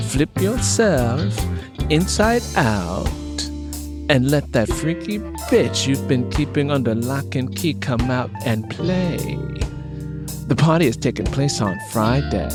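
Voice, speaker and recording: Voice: mid-range voice, pitched above the performer's own voice. An audiobook narrator voicing a brash, crude, taunting young Latina woman with slangy, profane talk and mocking laughs. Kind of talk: audiobook character dialogue.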